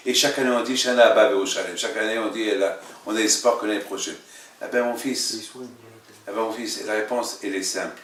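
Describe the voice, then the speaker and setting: Halting, emphatic man teaching in an echoey room. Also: on the low side, fairly even intonation, fairly bright tone. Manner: repeats phrases, halting, emphatic. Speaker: religious teacher, rabbi leading a class. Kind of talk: informal religious lesson with questions. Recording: echoey room, mic at a distance.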